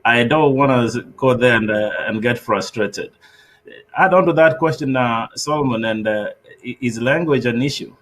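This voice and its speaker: Male host of an online panel; average pitch, hesitant, filler-heavy delivery. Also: normal speed, fairly bright tone. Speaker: host, moderator. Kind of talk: panel discussion hosting.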